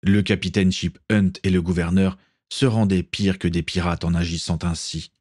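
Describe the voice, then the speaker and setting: A man narrating an audiobook in an expressive, wide-ranging reading, close on the mic. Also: low-pitched, normal speed, no room sound. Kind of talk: scripted narration.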